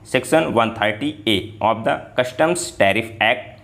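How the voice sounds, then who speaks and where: A man's voice: on the low side, animated, gravelly, a bit bright. Man dictating formal legal text. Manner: measured dictating, reading in deliberate separated phrases. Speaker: shorthand dictation reader.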